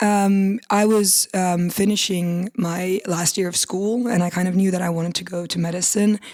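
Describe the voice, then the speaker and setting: A woman in a Swedish accent, medium in pitch, at a fairly slow pace with hardly any pauses. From Helsinki, Finland. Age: 20s. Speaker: medical student. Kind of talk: casual chat.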